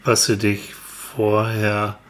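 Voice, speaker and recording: A man's voice: lowish voice, completely flat delivery, slow, a bit bright. A man talking patiently and encouragingly, explaining things as a mentor to a child character in a children's audio series. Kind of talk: improvised, reassuring talk to a child character.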